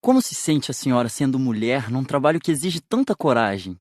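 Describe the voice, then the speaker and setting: A man's voice: mid-range voice, very animated, fairly quick, a little mellow, dry recording, clean studio sound, close to an everyday voice. A man with a Brazilian accent playing a curious, absent-minded visitor in an audiobook. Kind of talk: audiobook character dialogue.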